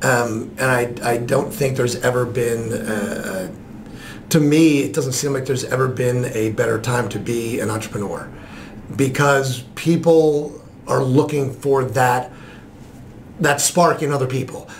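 An American-accented man talks at medium pitch with ordinary pitch variation. Noticeable background noise and audible room echo surround him. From New Jersey. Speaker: radio station owner. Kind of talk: casual interview.

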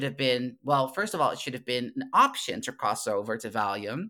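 On a very clean recording with a silent background, a man with a bright, sharp tone speaks at a moderate pace. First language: not English. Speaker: podcaster and former social worker. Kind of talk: interview answers, personal story.

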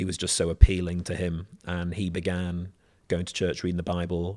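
A very deep, low-pitched man with a northern English accent, in a very clean recording with a silent background. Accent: soft northern English. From northwest England. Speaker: guest. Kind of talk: casual interview chat.

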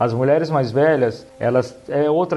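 At a fairly slow pace, a man with a fairly high pitch talks in a plain, everyday voice. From Santos, São Paulo state, Brazil. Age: 30s. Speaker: evangelical church member. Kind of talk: casual panel discussion.

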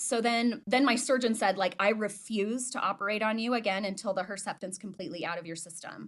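A woman speaks at a medium pitch in an unremarkable speaking voice. Her pace is moderate and her pitch varies in an ordinary way. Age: 40s. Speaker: breast cancer survivor. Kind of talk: casual chat.

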